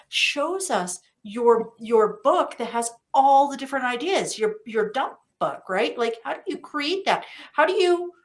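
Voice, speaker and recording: A woman from the United States hosting a podcast interview, chatty and enthusiastic. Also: high-pitched. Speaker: podcast host.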